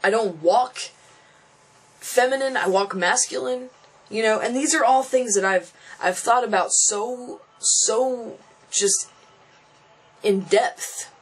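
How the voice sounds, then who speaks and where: With a very high, breathy-edged voice, a young transgender vlogger takes his time venting casually to camera. He sounds frustrated, thinks aloud, and often restarts and repeats phrases, all on a rough recording.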